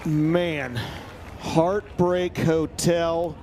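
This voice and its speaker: A man's voice: a little high, flat delivery, drawn-out words, a little mellow, a faint crowd. A man giving emphatic, exclamatory live race commentary as a motorsport commentator at an outdoor track. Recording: engine noise behind the voice. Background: race car engines outdoors.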